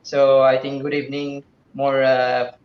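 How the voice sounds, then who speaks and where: A man's voice: medium pitch, monotone, a little slow. A man from Malaysia, a chef guest, chatting casually over a remote video call with many fillers. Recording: echoey far-off lo-fi call audio with faint background noise.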